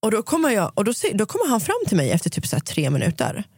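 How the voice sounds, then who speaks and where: A woman's voice: mid-range voice, breathy edge, no room sound. Dry-voiced young woman telling a story. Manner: lively retelling full of quoted dialogue, slipping English phrases into Swedish. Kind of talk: casual storytelling chat.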